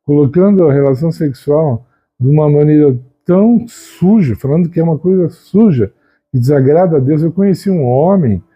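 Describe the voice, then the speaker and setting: A man giving an unhurried, conversational spiritual talk, often tagging his sentences with a questioning "né?". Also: on the high side, expressive, slightly rough, highs cut off. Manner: unhurried, conversational, frequent "né?" tags. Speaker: Christian video host. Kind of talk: reflective spoken teaching.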